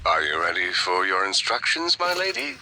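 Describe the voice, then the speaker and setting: A low-voiced man with hushed orders. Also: wildly swooping pitch, moderate pace, vocal fry, background noise, full character voice. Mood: playful. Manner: hushed, confidential, teasing. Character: man of authority, then a playful lover. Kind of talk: video game dialogue.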